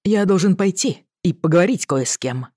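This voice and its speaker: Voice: mid-range voice, lively intonation, a little fast, mellow, no echo, clean studio sound, voice pushed up, natural voice. The reader voicing a nervous young man in a hurry. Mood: hurried.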